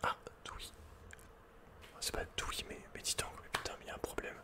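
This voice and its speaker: A man gives casual, slangy ASMR gameplay commentary in a breathy whisper, muttering to himself close to the microphone. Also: moderate pace. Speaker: ASMR video game streamer.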